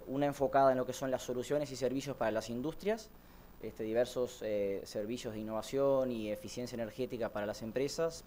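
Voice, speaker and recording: A Brazilian man of Uruguayan family, whose Uruguayan Spanish accent carries a Portuguese tinge, gives a relaxed conference presentation as an electric mobility manager, peppering it with "este" fillers. He speaks at a podium mic in a large conference hall, filmed from far off, with medium pitch and a little hiss or hum in the audio.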